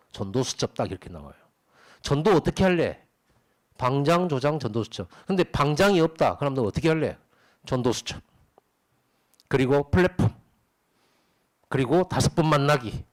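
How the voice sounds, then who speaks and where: Speaking at a medium pitch, a middle-aged pastor preaches a sermon in an animated, conversational style. He frequently asks his congregation rhetorical questions.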